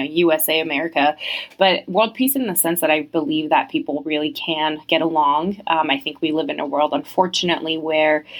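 A young woman, born in France and raised in the United States, answers interview questions in a low-pitched voice. Her manner is chatty and reflective, with many fillers.

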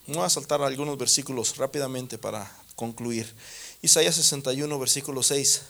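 A male preacher, giving a fervent sermon that rises to loud emphatic peaks. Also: mid-range voice, a little fast, creaky.

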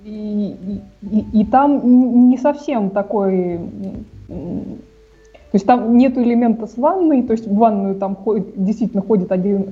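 A woman with a husky, slightly breathy voice shares her opinions on TV shows in a hesitant, halting way, often restarting her words. The recording is a bit dull, with faint music underneath. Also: mid-range voice. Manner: hesitant, many restarts and fillers. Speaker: podcast co-host. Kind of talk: casual TV review chat.

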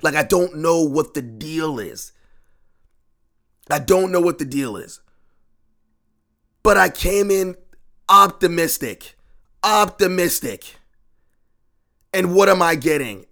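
A hoarse man who has lost his voice, hosting a sports podcast alone and ranting in frustration with plenty of swearing and repetition. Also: fairly high pitch, expressive, slow, long pauses, sharp tone. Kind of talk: solo ranting sports talk.

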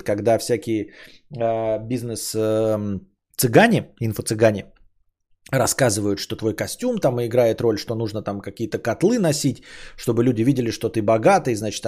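A man's voice: mid-range voice, dark tone. A man hosting a podcast stream, reading out donations and rambling casually with many hesitations and blunt swearing. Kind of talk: casual livestream chat.

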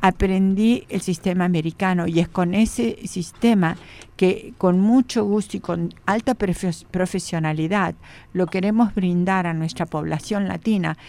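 A woman's voice: lowish voice, measured pace, warm tone. A woman psychologist talking as a radio guest in a studio, rambling with restarts. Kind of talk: radio interview.

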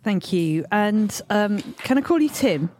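A woman's voice: medium pitch, animated, measured pace, darkish tone, a little hiss or hum. A woman hosting a podcast interview, friendly, with small restarts as she asks her questions. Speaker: podcast host.

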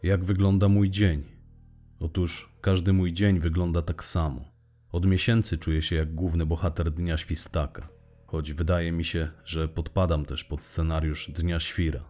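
A man playing a very deep-voiced weary investigator. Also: little pitch movement, unhurried, darkish tone. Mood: irritated, weary. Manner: formal, wordy, bitter confession. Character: weary, irritable divorced male investigator talking to his psychologist. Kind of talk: scripted audio drama monologue.

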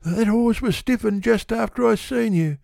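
A man's voice: high-pitched, normal speed, creaky, a little mellow, dry recording, studio quality, pitched above the performer's own voice. A man reading a story, voicing a down-and-out male racecourse tipster who coaxes and then brazenly bluffs. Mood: indignant. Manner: wheedling, then brazen and indignant.

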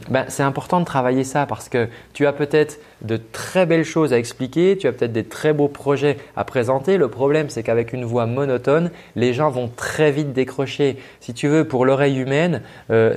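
Man, vocal coach, mid-pitched voice, spoken lesson, hesitant fillers, demonstrates voice styles. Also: normal speed, hardly any pauses. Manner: demonstrates flat and lively speaking voices; frequent hesitations with euh.

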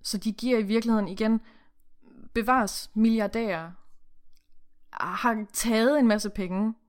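A woman's voice: a little high, clear, resonant tone. A woman hosting a podcast, chatting casually, bluntly, and swearing freely, who reads passages aloud. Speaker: podcast host. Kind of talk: casual chat with reading aloud.

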